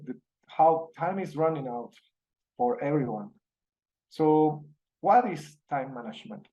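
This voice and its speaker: A man with a Colombian Spanish accent, a native Spanish speaker giving an online university lecture in English over a video call, halting with many fillers and restarts. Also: fairly high pitch, warm tone, muffled recording. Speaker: university professor.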